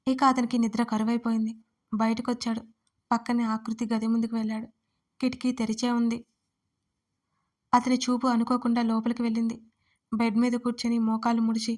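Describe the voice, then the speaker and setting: Woman, storyteller, audio story narration, higher voice, monotone.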